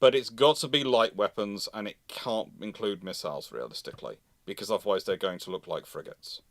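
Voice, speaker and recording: A British man hosting a live question-and-answer talk, explaining things with halting restarts and emphatic repetition. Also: on the low side, lively intonation, no echo. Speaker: host answering audience questions. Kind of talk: live Q&A, explanatory commentary on naval matters.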